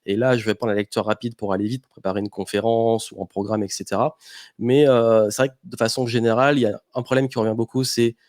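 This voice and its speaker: A man hosting a podcast interview, asking curious, engaged questions in a relaxed conversational way. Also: mid-range voice, fast, no room sound, studio quality. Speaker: podcast host.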